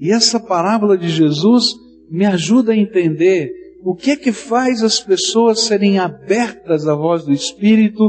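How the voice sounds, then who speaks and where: Over music in the background, a man with a Brazilian accent speaks at a high pitch and a fairly slow pace with lively intonation. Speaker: pastor. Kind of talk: expository sermon with scripture reading and closing prayer. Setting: church. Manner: earnest, teacherly preaching pace, building to fervent prayer.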